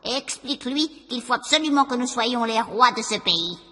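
A woman's voice: on the high side, animated, normal speed, bright, forceful tone, big-room sound. A woman voicing a greedy, domineering fisherman's wife in an audio storybook, harsh and demanding. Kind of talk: storybook acting.

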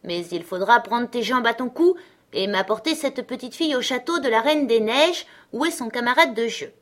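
A wild, knife-loving little robber girl, put on by a woman narrator in a storybook. She is bossy and teasing, with a high, forceful voice. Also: expressive, moderate pace, close to an everyday voice.

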